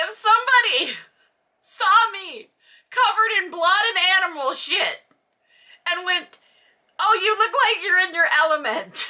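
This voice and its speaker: A woman's put-on character voice, extremely high and wheezy, at a moderate pace with long, frequent pauses. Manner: mocking, wheezing laughter.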